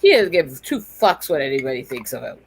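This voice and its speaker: A woman's voice: extremely low pitch, big pitch swings, fairly quick, slight background noise. A woman from the Black Hills with an American accent, chatting casually and emphatically, swearing freely. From Black Hills, United States. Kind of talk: casual chat.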